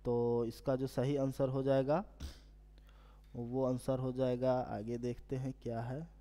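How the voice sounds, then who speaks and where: A male teacher walking students through exam questions, reading each English question slowly and then explaining it. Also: mid-range voice, little pitch movement, warm tone, big-room sound. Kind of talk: exam prep lesson.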